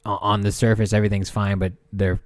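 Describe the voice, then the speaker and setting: A man with a lowish voice who jokes crudely and breaks into loud laughter. He is chatting casually with friends on a podcast. The sound is dry, with no room around it. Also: little pitch movement, fast, no room sound. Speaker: podcast co-host. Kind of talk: casual banter over drinks.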